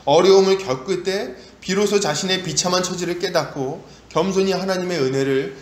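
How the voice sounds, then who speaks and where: A man's voice: high voice, moderate pace. A male pastor preaching a sermon, telling the story vividly and asking rhetorical questions. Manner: animated storytelling, acts out voices, rhetorical questions. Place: church sanctuary. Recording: echoey church room, faint hiss.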